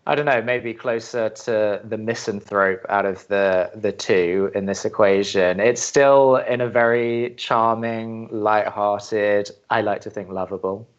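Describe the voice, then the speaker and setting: Low-pitched man in halting commentary. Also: steady tone, highs cut off. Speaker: voice actor. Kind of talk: casual commentary.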